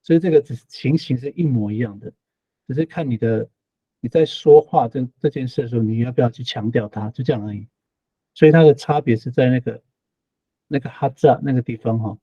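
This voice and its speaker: A man talks through an online language lesson at an easy, patient teacher's pace, going back over each phrase and tagging his sentences with little particles. His voice is a touch husky, and the recording sounds dry and slightly dull, like lo-fi class audio. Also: medium pitch, a little fast, no echo. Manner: patient explaining, repeats phrases, frequent tag particles.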